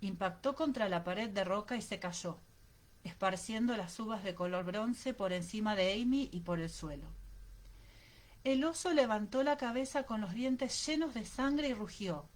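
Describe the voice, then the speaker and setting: Woman reading an audiobook, steady dramatic storytelling, mid pitch. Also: a little slow. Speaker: audiobook reader. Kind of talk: audiobook narration.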